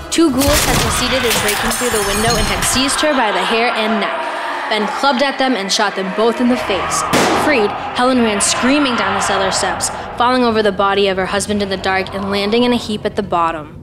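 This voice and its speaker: A woman's voice: mid-range voice, fairly quick, loud music behind the voice. A woman narrator reading dramatic scripted narration in a radio play.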